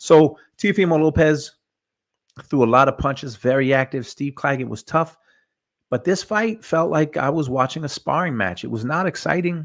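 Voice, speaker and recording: A man speaks with a New Jersey accent at a moderate pace, his pitch fairly high and his intonation lively. The recording is very clean, with a silent background. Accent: New Jersey American. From New Jersey, US. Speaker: boxing livestream host. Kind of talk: casual commentary livestream. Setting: live stream. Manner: halting, repeats words.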